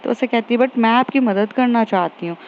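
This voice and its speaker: A woman's voice: on the high side, a little fast. A woman casually retelling a romance story, narrating the dialogue in a loose, chatty way with many fillers. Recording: slightly dull lo-fi audio with faint background noise.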